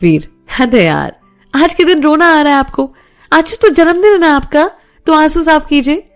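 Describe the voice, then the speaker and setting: A woman's voice: sits high, lively intonation, moderate pace, soft background music, voice pushed up. A woman voicing a young male political leader who teases his girlfriend with affection. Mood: tender.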